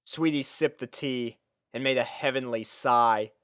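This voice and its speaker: A man's voice: medium pitch, unhurried, a bit bright, smooth, no room sound, clean studio sound. A man reading scripted story narration as the narrator of a piece of fiction.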